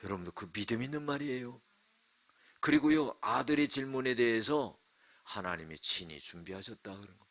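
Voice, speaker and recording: A man's voice: medium pitch, expressive, moderate pace, fairly bright tone. A male pastor preaching a sermon, telling the story dramatically and emphatically while addressing the congregation.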